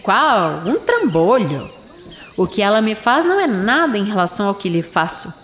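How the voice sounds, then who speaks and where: A woman's voice: mid-range voice, sing-song, normal speed, echoey room, lightly acted. Sneering old female innkeeper played by a woman, grudging and dismissive, audio drama with background noise. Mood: scornful, grumbling.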